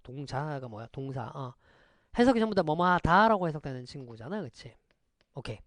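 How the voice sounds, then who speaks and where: Speaking with a dry, close, sing-song voice and wide pitch swings, a male English teacher lectures online. He peppers students with quick rhetorical questions and alternates polite and casual speech, and the audio has no echo.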